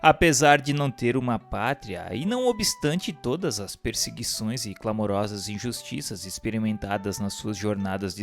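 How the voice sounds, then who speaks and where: A man's voice: mid-range voice, gravelly. A man giving a solemn, formal and declamatory scripted narration, like an audiobook. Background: background music.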